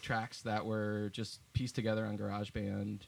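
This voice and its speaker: A man's voice: fairly low pitch, little pitch movement, moderate pace, creaky, faint music behind. A young man from Vermont, a band leader and guitarist, talking loosely in an interview with lots of fillers and restarts. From Vermont, USA. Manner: chatty and laughing, with many fillers and restarts. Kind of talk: casual interview chat.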